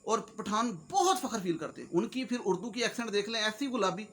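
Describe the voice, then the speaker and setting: A man's voice: sits high, expressive, fairly quick, fairly bright tone, slight background noise. A man from Pakistan with a Punjabi accent, speaking casually and jokingly as a vlogger, mixing Urdu, Punjabi and English. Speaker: YouTuber host. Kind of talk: casual comic-motivational monologue.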